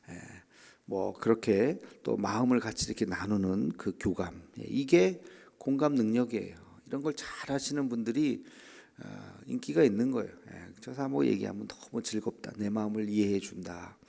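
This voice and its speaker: Middle-aged male pastor, dark gravelly voice, chatty dawn sermon in a church with long reverb. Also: fairly low pitch. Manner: conversational preaching with frequent "예" and "에" fillers; acts out quoted voices of children and church members. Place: church sanctuary.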